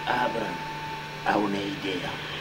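A man narrating a dramatic theatrical monologue as a stage actor, solemn and emphatic, with long pauses. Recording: loud hum and rumbling background noise.

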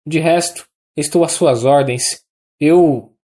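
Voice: medium pitch, slow, warm tone, natural voice. A narrator with a Brazilian accent playing a tearful young man, speaking in an earnest, begging tone. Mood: pleading. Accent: Brazilian Portuguese.

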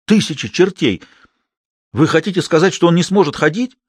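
A man's voice: high voice, animated, fast, no room sound, clean studio sound, pitched above the performer's own voice. A man playing a blustering, greedy troupe boss. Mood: agitated. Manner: blustering, cursing. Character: gruff greedy middle-aged troupe manager.

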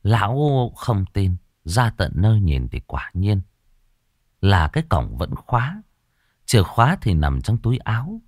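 A man narrating a ghost story. His voice is somewhat low with a very lively, swinging melody. The recording is close and dry, with no room sound. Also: breathy edge, no echo.

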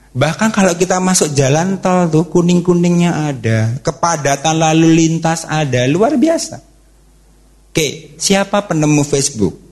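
A man giving a lively religious talk to teenagers and parents as a counselor. He often asks the audience questions. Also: fairly high pitch. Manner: animated, acts out quotes and cheers, asks the audience questions.

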